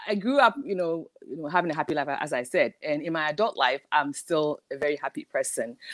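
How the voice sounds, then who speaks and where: A woman with a Ghanaian accent talks at a fairly quick pace in a fairly low voice, her tone bubbly and animated and her intonation lively, with a dry, close sound and no echo. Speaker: storyteller guest. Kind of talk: casual storytelling chat. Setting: live online stream.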